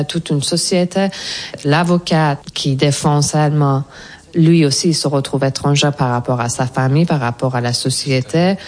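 Woman, very low voice, thoughtful, searching for words, radio interview guest. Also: darkish tone. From Iran. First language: Persian. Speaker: actress guest.

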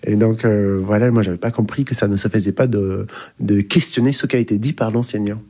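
A man's voice: on the low side, fairly even intonation, brisk, warm tone. A man from the English-speaking Caribbean, a university lecturer, telling a story in hesitant French with many fillers. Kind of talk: recorded interview testimony.

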